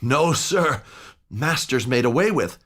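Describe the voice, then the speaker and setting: A man's voice: medium pitch, lively intonation, slow pace, fairly bright tone, pitched above the performer's own voice. A man voicing an anxious older butler who pleads urgently and fearfully.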